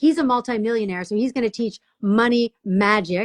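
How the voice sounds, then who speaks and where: A woman with an unremarkable speaking voice and fairly high pitch talks at a moderate pace with fairly even intonation, the sound dry and close with no echo. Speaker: spiritual intuitive and retreat leader. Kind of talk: interview.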